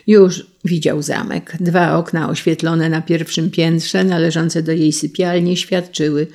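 A reader narrating a historical novel in a steady storytelling manner. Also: medium pitch, vocal fry. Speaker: audiobook reader.

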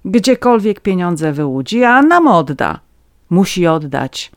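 A reader voicing a fawning, red-nosed petty scribe, a man who begs for vodka and wheedles his listeners in a high, eager voice. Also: very animated, slow pace, no room sound, studio quality. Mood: wheedling. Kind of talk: audiobook reading.

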